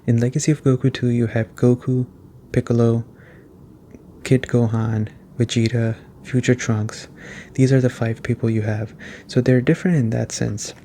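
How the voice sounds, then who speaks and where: A man giving a soft-spoken, casual ASMR-style video game review in a conversational way. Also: medium pitch, little pitch movement, normal speed, slight background noise.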